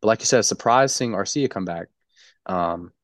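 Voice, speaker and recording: A congested man co-hosting a sports podcast, talking in a halting way full of restarts and stutters. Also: lowish voice, fairly bright tone, no room sound, clean studio sound. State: congested, stuffy. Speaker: podcast co-host. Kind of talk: casual sports chat.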